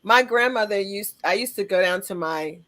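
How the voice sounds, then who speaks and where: A woman's voice: medium pitch, normal speed, fairly bright tone. Woman podcast host, casual panel chat, encouraging and affirming.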